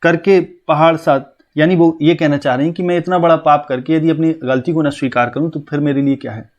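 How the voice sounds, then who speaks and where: A young man giving a lesson on a poem, his voice sitting a little higher than most men's. He reads each verse line slowly and with lift, then drops into plain explanation. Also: steady tone, a little mellow, dull audio. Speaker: Hindi teacher.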